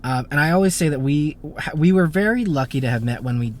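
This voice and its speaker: A man's voice: on the high side, animated, a little fast. Chatty man answering viewer questions. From born in Japan, raised in the United States. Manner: chatty, self-deprecating, many fillers and restarts. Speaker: YouTube car channel host. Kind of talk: casual Q&A to camera.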